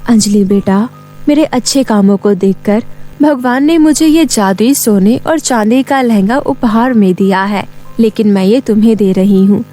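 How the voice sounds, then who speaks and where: Lady doing a loving mom spirit, gentle reassuring, cartoon story, faint music. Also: mid-range voice, moderate pace, natural voice. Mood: tender. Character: loving ghost of a dead mother.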